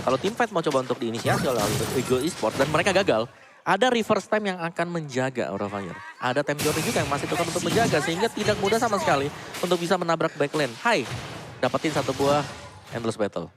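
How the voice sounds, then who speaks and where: A man's voice: a little high, sing-song, fast talker, over music. A man with an Indonesian accent giving live analytical commentary on an esports match. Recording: clear noise behind the voice.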